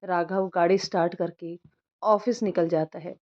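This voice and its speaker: A woman narrating an emotional family story in a soft, even storytelling voice. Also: fairly low pitch, moderate pace, dull audio. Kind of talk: scripted narration.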